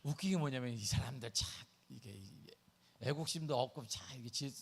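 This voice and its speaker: A man preaching a sermon to his congregation, animated, asking them questions and answering himself. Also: mid-range voice, gravelly, slightly rough. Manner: sings hymn lines slowly in the middle of talking. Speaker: pastor. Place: church sanctuary.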